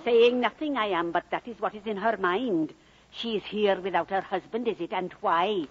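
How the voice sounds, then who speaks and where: An actress playing a gossiping old Welsh housekeeper, spiteful and insinuating, in 1940s radio acting. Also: female voice, medium pitch, normal speed, slightly rough, natural voice. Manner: pointed, insinuating, lilting inverted phrases. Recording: muffled old radio broadcast.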